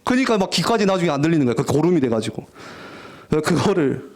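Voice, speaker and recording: A young man gives a lively youth sermon to middle and high school students. His voice sits high and leaps around with wide swings. He tells stories with animation, mimicking teenagers as he goes. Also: fast. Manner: animated storytelling, acting out teen voices. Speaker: youth pastor.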